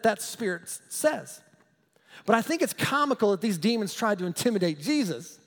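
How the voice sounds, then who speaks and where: Pastor preaching: man, high voice, story-driven and emphatic, chuckles, echoey hall. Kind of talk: sermon.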